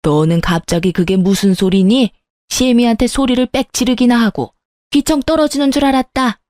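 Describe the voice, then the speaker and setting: A woman voicing a bossy, scolding middle-aged mother-in-law who gives curt, slow commands. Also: on the high side, a little mellow, no room sound, clean studio sound, close to an everyday voice.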